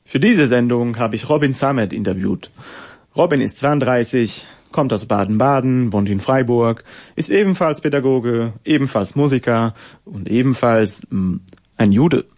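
A man in his late twenties from Israel, hosting a radio program with measured, rhetorical narration and interview questions. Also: mid-range voice, animated, a little mellow. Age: 20s. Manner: measured, rhetorical, list-like delivery. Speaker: radio host.

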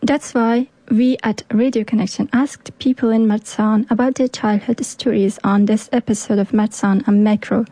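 A woman co-presenting a community radio show, reading a script in an even, careful way. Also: on the high side, moderate pace, few pauses, dry recording, low-quality recording. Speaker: radio host. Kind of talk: scripted radio narration, translating.

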